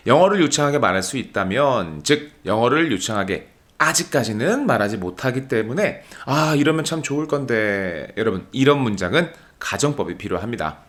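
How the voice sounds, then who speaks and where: A middle-aged man teaching spoken English. His pitch moves a lot as he explains, and he often slows down to repeat English phrases as models for learners.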